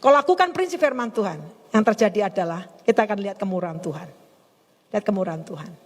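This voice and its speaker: A middle-aged woman pastor preaching a sermon in a chatty, animated storytelling way, laughing often. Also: mid-range voice, quick pace. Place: church service in a hotel hall. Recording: long hall reverb.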